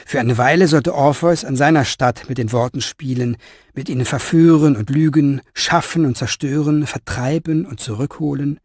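A man reading an audiobook with expressive storytelling. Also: medium pitch, moderate pace, no room sound, clean studio sound. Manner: expressive storytelling with lively inner voice. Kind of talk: audiobook narration.

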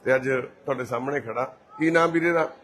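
A man from Punjab, India, the volunteer host of a care society, walking through a care centre and gently reassuring patients and their families. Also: mid-range voice, fairly quick. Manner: gentle and reassuring, calls people mother and brother. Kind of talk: casual on-camera walkthrough talk.

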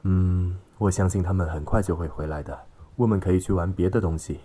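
A man's voice: low-pitched, a little fast, mellow, husky. A man voicing a weary father in an audiobook story, placating and exasperated as he tries to stay reasonable. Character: weary, conciliatory father trying to keep calm.

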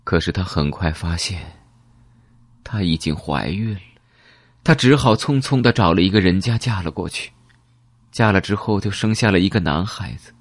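A man with a very low, husky voice reads a mystery novel in an emotive, first-person storytelling way. The recording sounds close, dry and intimate. His tone rises and falls with the drama of the tale. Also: animated, normal speed, no room sound. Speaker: audiobook narrator. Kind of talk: dramatic audiobook narration.

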